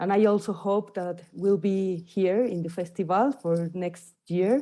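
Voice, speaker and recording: Her tone is dark and mellow as a woman speaks at a medium pitch. She moves at a fairly slow pace with ordinary pitch variation. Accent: Spanish. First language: Spanish. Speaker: actress, filmmaker's widow. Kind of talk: prepared statement read aloud. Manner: halting, with fillers.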